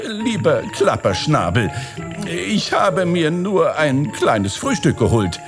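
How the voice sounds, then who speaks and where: A man doing a high, coy young stork lady. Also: heavily acted. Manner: high prim voice, hesitant pauses.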